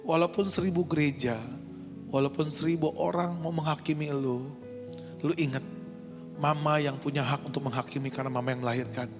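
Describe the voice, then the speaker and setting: A man's voice: a little high, natural voice. A man quoting an aging mother, tender. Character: aging stern mother, softened and tearful. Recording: reverberant hall with music.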